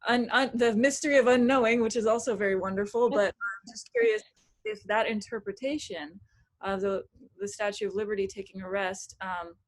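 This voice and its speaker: A woman's voice: mid-range voice, brisk, low-quality recording. Woman asking a question, curious and chatty, kinda hesitant. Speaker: session moderator. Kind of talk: casual discussion and hosting.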